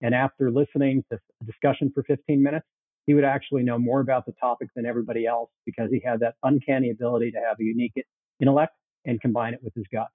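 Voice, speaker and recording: A man in his sixties who grew up in Chicago, answering interview questions with steady, orderly storytelling. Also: medium pitch, rapid-fire, husky, no echo. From Chicago, USA. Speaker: guest cofounder. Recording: tinny phone-like line, dry.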